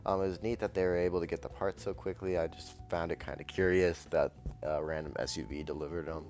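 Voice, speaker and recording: Deadpan man with a very deep voice. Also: fast talker, muffled recording. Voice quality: monotone, deadpan. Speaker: storyteller. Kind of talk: deadpan monotone storytelling. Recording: faint background music.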